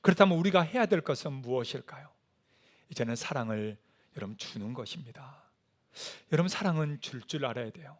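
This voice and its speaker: A male pastor preaching a sermon, animated, often putting questions to the congregation and sometimes dropping to a soft whisper for emphasis. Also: mid-range voice, fairly quick.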